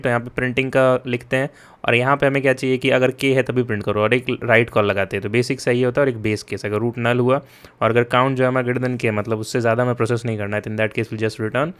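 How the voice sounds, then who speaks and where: With a smooth, mid-range and fairly bright voice, a young coding tutor explains things in an easy, chatty style. He switches between Hindi and English, sprinkling in "yaar" and "theek hai?", and keeps turning to students to confirm they're following, going slowly so they can take notes.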